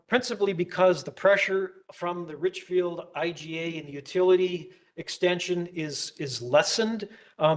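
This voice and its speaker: A man who is losing his voice gives a staff presentation at a public planning meeting, halting and full of ums and uhs. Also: fairly high pitch. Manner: halting, filler-heavy, with many ums and uhs.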